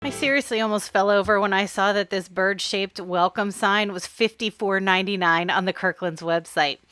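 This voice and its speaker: A woman from Pennsylvania hosting a craft tutorial in voice-over, her voice a bit hoarse from allergies, explaining each step in a friendly way. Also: medium pitch, moderate pace, a bit bright, faint music behind. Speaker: craft channel host.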